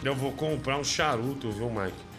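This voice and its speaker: A man's voice: mid-range voice, normal speed, over music. A man hosting a comedy show, chatting in a profane, teasing way. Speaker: show host. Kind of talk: crude comedy live show chat.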